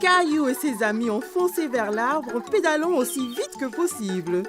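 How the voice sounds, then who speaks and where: A woman's voice: sits high, lively intonation, normal speed, music in the background. A woman narrating a scripted children's cartoon story.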